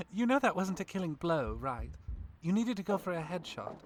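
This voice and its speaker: A woman's voice: on the low side, big pitch swings, unhurried, slight background noise. A woman playing a gloating, cruel vampire villain in an audio drama, with a menacing, theatrical delivery. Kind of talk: scripted audio drama acting.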